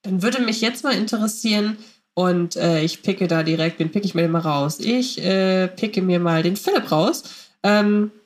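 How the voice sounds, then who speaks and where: A woman's voice: medium pitch, moderate pace. A woman hosting a podcast, asking questions in a casual, chatty style. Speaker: podcast host. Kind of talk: casual chat.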